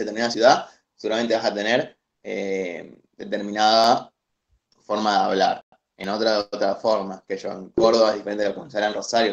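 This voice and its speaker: A young man with an Argentine accent explaining a reading to classmates over a video call, hesitant, with many fillers and restarts. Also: on the low side. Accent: Argentine Spanish. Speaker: student presenter. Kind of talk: online study session explanation. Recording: dull lo-fi video call audio.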